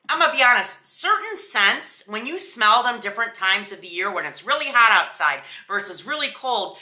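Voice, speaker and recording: A woman's voice: on the high side, bright, forceful tone. A woman giving a casual, chatty beauty product review in a sassy, emphatic, slangy way. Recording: roomy indoor echo.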